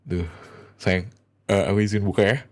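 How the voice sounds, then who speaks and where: Here a man with a fairly low pitch talks at normal speed, voicing an excitable, affectionate husband addressing his wife for an ASMR roleplay. He comes across as expressive and hesitant.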